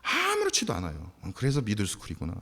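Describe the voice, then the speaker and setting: A man's voice: fairly low pitch, huge pitch swings, quick pace, bright, forceful tone. A pastor, a man, preaching a sermon and telling a story animatedly, laughing now and then. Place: church sanctuary. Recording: long church hall reverb.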